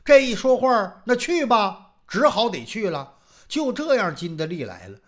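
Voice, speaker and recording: Male traditional storyteller; animated and dramatic, lively high voice. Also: moderate pace. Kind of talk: traditional Chinese oral storytelling.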